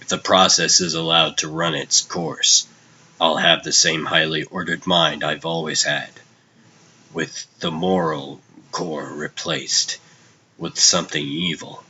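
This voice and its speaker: Guy doing dark brooding superhero, really deep n slow, grave haunted delivery, comic dub style. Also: fairly even intonation, highs cut off, a little hiss or hum, exaggerated voice. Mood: ominous. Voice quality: low, tense. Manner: grave, deliberate. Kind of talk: dramatic comic dub acting.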